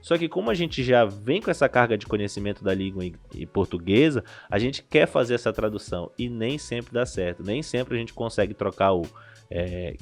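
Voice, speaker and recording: A Brazilian man, a language school director, explaining things in a casual podcast interview, restarting his sentences often. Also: lowish voice. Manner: animated explainer with frequent restarts.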